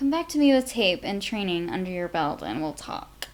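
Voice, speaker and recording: Putting on a character voice, a woman speaks at a medium pitch and moderate pace, husky and raspy, with very wide pitch swings. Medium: read story. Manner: blunt, no-nonsense.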